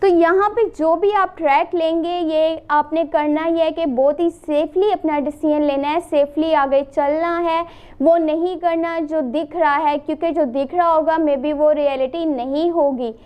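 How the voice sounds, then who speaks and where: A woman from Pakistan, slightly hoarse from a sore throat, gives a casual tarot reading. She talks straight to the viewer, repeating and listing phrases and mixing in English. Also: high voice, steady tone, a little slow, muffled recording. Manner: addresses the viewer directly, repeats and lists phrases, mixes in English. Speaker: tarot reader.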